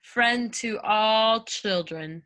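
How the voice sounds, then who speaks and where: A woman's voice: fairly high pitch, extremely slow, a bit bright. A woman playing an opinionated actress trading boastful anecdotes with friends in a comedy sketch, matter-of-fact and punchy.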